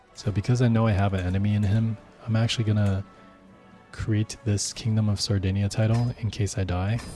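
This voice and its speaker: Music plays in the background as a man speaks at a fairly quick pace in a relaxed tone. His fairly low voice holds a monotone, flat intonation and very even loudness. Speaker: video game streamer. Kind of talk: game playthrough commentary. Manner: casual, relaxed.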